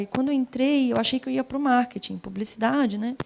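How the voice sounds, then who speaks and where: Speaking at a fairly quick pace, a woman uses a high pitch, a dark, mellow tone and lively intonation. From Minas Gerais, Belo Horizonte. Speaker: customer success professional, lecture speaker. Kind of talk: audience Q&A answer.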